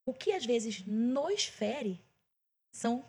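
A woman's voice: fairly high pitch, lively intonation, takes it slowly, darkish tone, breathy edge. A Brazilian woman who is a gospel singer, sharing an emotional testimony in a casual chat and repeating phrases for emphasis. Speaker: gospel singer, podcast guest.

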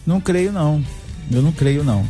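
A man, a pastor, speaking as a guest on a radio talk show, measured and thinking aloud. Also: a little high, mellow, soft background music. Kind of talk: studio discussion.

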